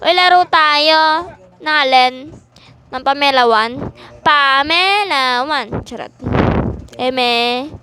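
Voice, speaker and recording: A woman's voice: high-pitched, slow, long pauses, pushed and bright. A woman voicing a whole family in a playful game role-play, switching between characters.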